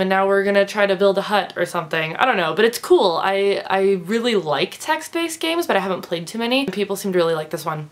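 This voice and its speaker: A woman in her twenties with a stuffed-up nose, chatting casually and rambling through her monthly favorites. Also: mid-range voice. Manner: chatty, rambling, with fillers and laughs. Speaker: vlogger.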